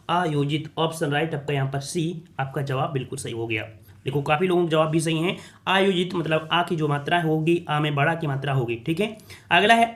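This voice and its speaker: A man's voice: fairly high pitch, a bit bright. A man teaching a spoken quiz lesson for exam coaching, repeating questions and answering them himself. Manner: repetitive, asks and answers his own questions.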